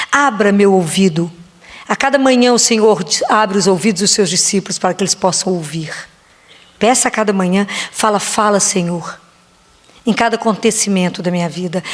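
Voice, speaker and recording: Woman, preacher, reflective devotional sermon, rhetorical questions, slightly high voice, echoing hall. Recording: long hall reverb.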